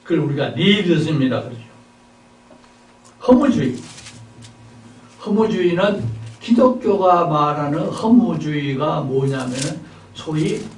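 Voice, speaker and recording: A man delivers a sermon in a chapel service, asking rhetorical questions and moving between forceful and hushed lines. His voice sits a little high. He is picked up from some distance in a reverberant hall. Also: lively intonation, unhurried, pauses often. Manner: rhetorical questions, swings between loud and soft. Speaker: preacher. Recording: echoey hall, mic at a distance.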